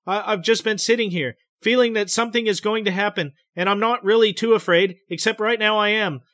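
A man voicing a frightened woman who relives a memory under hypnosis, speaking between sobs in a halting, stammering, breathless way. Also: sits high, fairly bright tone, dry recording, voice pushed up. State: sobbing.

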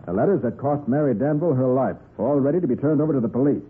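An actor playing a cool, confident private detective in a 1940s radio crime drama, assertive and unruffled. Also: male voice, medium pitch, lively intonation, rapid-fire, slightly rough. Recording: tinny 1940s radio broadcast.

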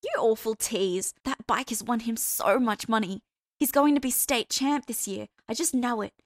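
A woman's voice: normal speed, no echo, clean studio sound, close to an everyday voice. A woman doing a squealing gossipy college girl. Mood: excited gossip. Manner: breathless, squealing, high-pitched gossip.

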